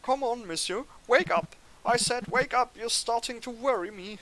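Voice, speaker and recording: A man's voice: very high-pitched, moderate pace, pushed and bright, pitched above the performer's own voice, poor audio. A man voicing a chatty, folksy male bird fisherman in a story game.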